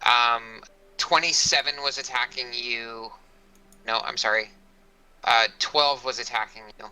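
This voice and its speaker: A man running an online tabletop game as game master, halting and thinking aloud as he goes. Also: mid-range voice, fairly even intonation, pushed and bright, clean tone, low-quality recording.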